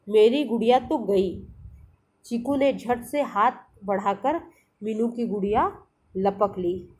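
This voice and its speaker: A woman's voice: fairly high pitch, a little mellow. A woman teacher patiently explaining a school textbook lesson, repeating and glossing each line.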